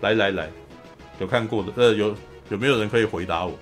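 A man hosting a podcast, recapping a film in a lively, casual storytelling way. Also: fairly low pitch, quick pace, faint music behind. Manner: animated storyteller, often acts out quotes. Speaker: podcast host.

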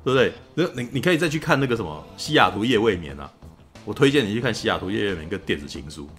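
Fast-talking animated podcast man. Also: on the low side, faint music behind. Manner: fast, animated, keeps asking "you know?". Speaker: podcast co-host. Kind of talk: casual chat.

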